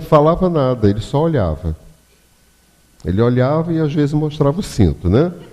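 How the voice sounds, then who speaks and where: A man's fairly high voice, dark and mellow in tone, with lively intonation. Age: 60s. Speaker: spiritist lecturer. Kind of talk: public lecture. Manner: casual, conversational.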